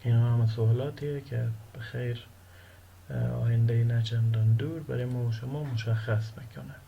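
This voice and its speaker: Gravelly-voiced male law lecturer. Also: medium pitch, steady tone, highs cut off, a little hiss or hum. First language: Persian. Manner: switches between Persian and slow, drilled English; repeats each vocabulary word slowly for pronunciation. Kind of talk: recorded online lecture.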